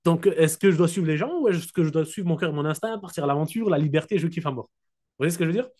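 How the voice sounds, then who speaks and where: Brief: man, slightly high voice, casual direct coach, video call mic, dictates key points slowly. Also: darkish tone. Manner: casual, direct, keeps asking listeners if they follow. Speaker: network marketing coach. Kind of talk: motivational coaching talk. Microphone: computer mic on a video call.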